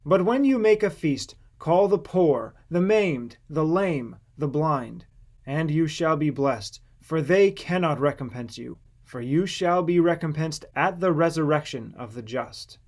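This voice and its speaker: Guy doing a firm preaching teacher in a bible audiobook, bit high, solemn and exhorting. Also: expressive, unhurried, a little mellow. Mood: solemn, instructing.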